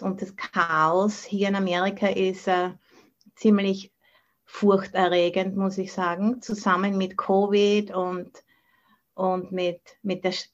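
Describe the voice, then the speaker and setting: A middle-aged woman with an Austrian German accent gives an informal dharma talk as a Buddhist teacher, dropping English words into her German. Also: mid-range voice. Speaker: Buddhist nun and meditation teacher. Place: online video call from the monastery. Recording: dull, band-limited video call audio.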